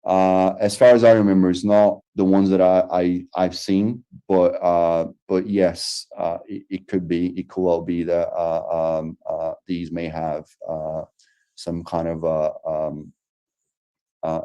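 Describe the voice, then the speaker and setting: A man's voice: sits low, little pitch movement, a little slow, dark tone, clean tone. A man from Brazil with a Brazilian Portuguese accent, answering questions after an online lecture, hesitant with many fillers and restarts. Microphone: video call.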